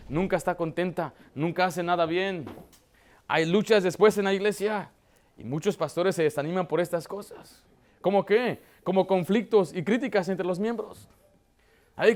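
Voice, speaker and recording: Middle-aged man, pastor preaching, chatty sermon, fairly high voice, acts out quotes. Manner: conversational preaching with acted-out quotes and rhetorical questions.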